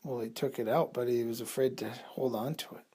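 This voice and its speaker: A man improvising a bedtime story for children, in an unhurried, halting way with a slightly husky, breathy voice. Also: mid-range voice, fairly even intonation, warm tone.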